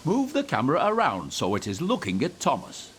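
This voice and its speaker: A man's voice: mid-range voice, wildly swooping pitch, fairly quick, background noise. A man playing an encouraging, instructive narrator in a scripted children's train game tutorial. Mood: instructive, calm. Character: encouraging male tutorial narrator guiding young train drivers.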